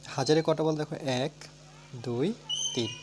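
A man with a Bengali accent teaching a primary-school math lesson. He asks questions and answers them himself, counts slowly aloud and spells words out letter by letter. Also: a little high, noisy background. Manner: talks through steps, asking and answering his own questions.

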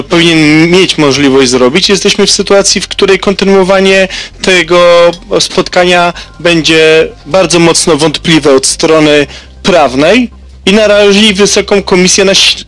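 High-voiced man, slow committee speech. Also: a bit bright. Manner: slow, deliberate, hesitant with fillers. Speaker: committee member. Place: parliamentary committee room. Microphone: desk microphone.

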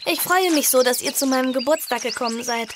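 A woman's voice: high voice, a little fast, lightly acted. A woman playing an eager, polite fifteen-year-old girl in an audio drama. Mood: excited. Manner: bright-mannered, eager, polite. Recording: birdsong and noise behind dialogue.

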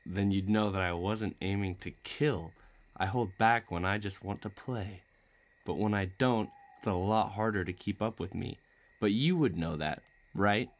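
A man's voice: lowish voice, unhurried. A man playing a cocky, menacing villain in a romantic audio roleplay, taunting and self-assured. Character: cocky, menacing male villain, playful but threatening.

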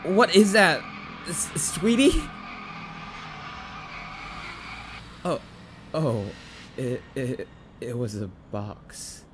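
A man's voice: a little high, sing-song, takes it slowly, fairly bright tone, faint music behind, full character voice. A young man playing a jumpy, bashful catboy boyfriend in an ASMR roleplay, stammering and hesitant, bratty but sweet. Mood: startled, flustered.

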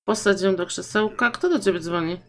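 A young woman casually commenting on her life-simulation game, chatting to her sims and her viewers and going high and loud when surprised. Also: fairly quick. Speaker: gaming YouTuber. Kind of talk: casual let's-play commentary.

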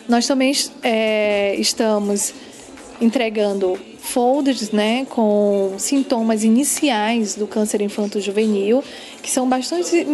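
A woman's voice: mid-range voice, darkish tone. A middle-aged woman with a Brazilian Portuguese accent, a charity representative, speaking earnestly and informatively into a handheld mic at an indoor stand. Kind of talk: interview answer. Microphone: handheld microphone.

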